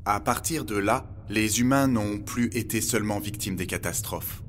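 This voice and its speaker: A man playing an electronic encyclopedia with an empathy module, a measured, learned guide in a scripted audio drama. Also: on the low side, fairly bright tone, a little hiss or hum, natural voice. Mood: grave, explanatory. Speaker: narrator and guide. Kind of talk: scripted audio fiction, documentary narration. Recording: music under the voice. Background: music.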